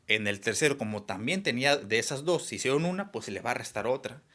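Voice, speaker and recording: A man's voice: medium pitch, lively intonation, fast talker, sharp tone. A young man explaining a lesson, with frequent fillers and restarts. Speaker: teacher. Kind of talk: online class lecture.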